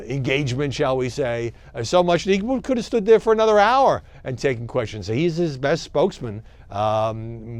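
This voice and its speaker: A man's voice: mid-range voice, darkish tone, no echo. Man giving dry, close commentary. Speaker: media commentator. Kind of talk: spoken opinion commentary.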